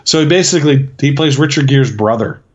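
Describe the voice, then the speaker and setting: A man's voice: mid-range voice, lively intonation, brisk, slightly rough. Man, podcast co-host, movie reviews, rambling and profane, lo-fi dull sound. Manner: rambling, profane, lots of restarts. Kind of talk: casual chat.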